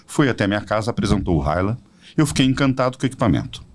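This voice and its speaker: A man in his forties from São Paulo, a podcast guest telling a personal story as a smooth sales pitch. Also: sing-song, racing, a little mellow. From São Paulo state, Brazil. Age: 40s. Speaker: podcast guest, product representative. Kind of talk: casual promotional chat.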